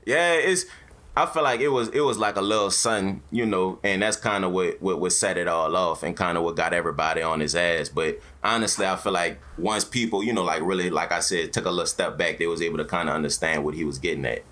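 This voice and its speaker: A man's voice: low-pitched, fast, bright, forceful tone. A man with an African American accent hosting a casual, opinionated podcast, talking in slang with plenty of swearing. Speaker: podcast host.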